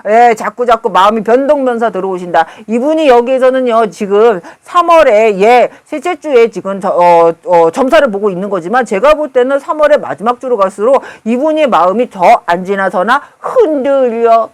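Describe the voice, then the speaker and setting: Brief: woman tarot reader, high voice, teasing and jokey, casual monologue. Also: lively intonation, moderate pace, hardly any pauses. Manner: playful, teasing, rambling jokes and banter to viewers.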